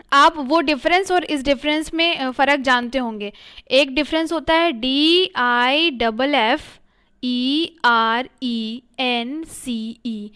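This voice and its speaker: ऊँची आवाज़ वाली महिला शिक्षिका, धैर्य से समझाती हुई. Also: female voice, high-pitched, fairly bright tone. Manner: patient, repeats "ठीक है" often, mixes English words into Hindi. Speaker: exam vocabulary teacher. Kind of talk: explaining vocabulary lesson.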